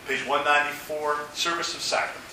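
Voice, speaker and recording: A man's voice: on the high side, flat delivery, background noise. Man praying in cathedral echo. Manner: measured, solemn intoning. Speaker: pastor leading worship. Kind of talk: liturgical prayer. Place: large echoing church. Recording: cathedral echo, voice heard from a distance.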